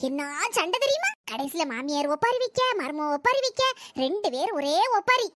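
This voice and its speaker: A woman's voice: high-pitched, sing-song, fairly quick, heavy background noise. A woman voicing a breathless gossiping neighbor. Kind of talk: cartoon comedy voice acting.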